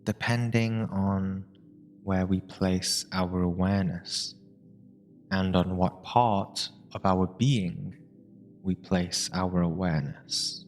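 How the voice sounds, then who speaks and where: A man narrating a guided meditation in a soothing, measured way, leaving long pauses between short phrases. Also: low-pitched, fairly even intonation. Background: meditation music with binaural tones.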